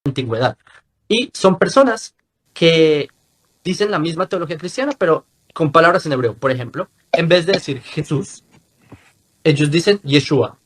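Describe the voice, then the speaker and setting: Slightly high-voiced man explaining haltingly. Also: lively intonation, breathy edge. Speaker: religious commentator. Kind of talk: explanatory talk.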